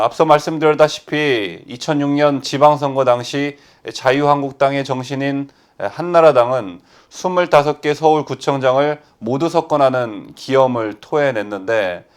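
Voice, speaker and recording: A middle-aged man reading political news commentary at a steady pace, often opening sentences with "ah". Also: medium pitch, clean tone. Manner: steady reading with frequent "ah" fillers.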